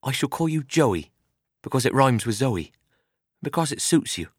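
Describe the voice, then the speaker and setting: A man reading aloud and voicing an eager, gentle teenage farm boy in a higher, lively voice. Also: breathy edge, dry recording, studio quality. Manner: quick, eager, pleading.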